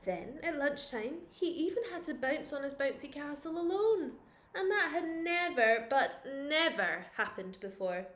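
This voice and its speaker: A woman reads a children's picture book aloud like a teacher at storytime, expressive and playful. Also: sits high, moderate pace, few pauses, roomy sound. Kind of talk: animated children's storytime reading.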